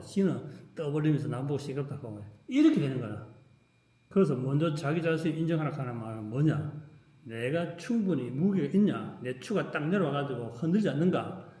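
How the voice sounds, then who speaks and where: A man teaching a qigong class, emphatic, dropping to a softer voice when acting out thoughts. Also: a little high, roomy sound. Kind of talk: lecture to a class.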